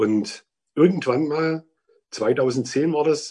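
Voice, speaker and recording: The man's voice has a dark, mellow tone. There is a somewhat breathy quality to it. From Vogtland, Saxony. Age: 50s. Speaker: former youth detention inmate. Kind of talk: testimony.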